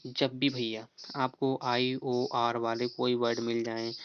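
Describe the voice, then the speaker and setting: Guy explaining grammar rules, even flat delivery, kinda muffled dry sound. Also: mid-range voice, a little hiss or hum. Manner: explanatory, repeats "theek hai?" often, reads rules slowly. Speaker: teacher. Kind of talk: exam-prep grammar lesson.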